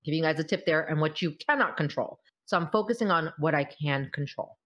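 A woman in her forties, mother of college-age kids, hosts a conversation in a casual, expressive way. Her voice sits low and she talks fast, with lo-fi sound.

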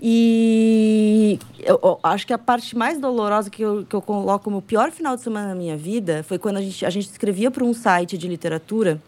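A woman from southern Brazil with a medium-pitched voice, co-hosting a casual podcast. She tells a personal story in a lively, confessional way. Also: brisk. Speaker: podcast co-host.

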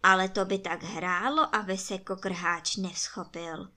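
A woman storyteller reading a folk fairy tale aloud in a lively, expressive way. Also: mid-range voice.

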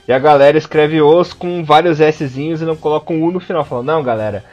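A man from southern Brazil with a southern Brazilian Portuguese accent co-hosts a casual podcast teaching name pronunciation, patiently repeating names slowly and occasionally dropping blunt, crude jokes. His voice is on the high side and a little mellow, heard through dull lo-fi podcast audio with faint music.

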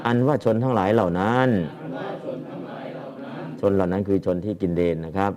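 A man's voice: on the low side, normal speed, a crowd in the background. A man teaching Pali translation to a class and explaining patiently, often repeating his phrases.

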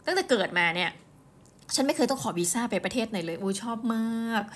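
A woman hosting her own show, telling a personal story in a casual, animated way, with quick asides and exclamations, and often speaking straight to her listeners. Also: on the high side, slightly rough. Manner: chatty, animated, often addresses listeners directly. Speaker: host.

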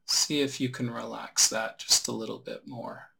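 A man guiding a relaxation meditation as a teacher, giving unhurried instructions with long pauses. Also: mid-range voice, fairly even intonation, creaky, bright, forceful tone, husky.

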